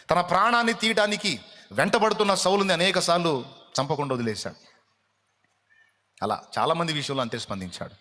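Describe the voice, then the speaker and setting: A man preaching a fasting prayer sermon as pastor, scolding and dramatic, firing rhetorical questions with sudden loud peaks. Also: medium pitch. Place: church hall. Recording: long hall reverb.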